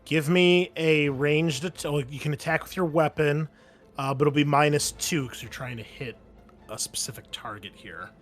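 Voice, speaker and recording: A man's voice: on the high side, moderate pace, a bit bright, soft background music. A man speaking casually as a game master, narrating scenes and explaining rules to players.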